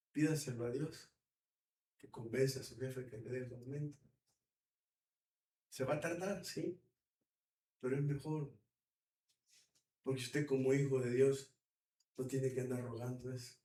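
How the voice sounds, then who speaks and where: Brief: Salvadoran male pastor, chatty sermon full of questions to the crowd, medium pitch, roomy hall, mic some way off. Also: mellow. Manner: colloquial, asks the audience questions, acts out quotes. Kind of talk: conversational sermon. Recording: echoey hall, mic at a distance.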